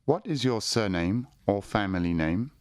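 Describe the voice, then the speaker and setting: A man reads model phrases for a language lesson. His voice is slightly low and recorded dry, with a scripted drill delivery. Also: animated, normal speed, clean tone, no echo. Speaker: language course reader.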